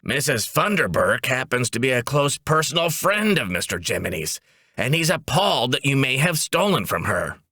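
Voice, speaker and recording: A wisecracking female office boss as voiced by a man, bright and forceful. The delivery is breezy and emphatic, with pitch leaping around in comic audiobook style. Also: very animated, moderate pace, no room sound, clean studio sound, full character voice. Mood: matter-of-fact.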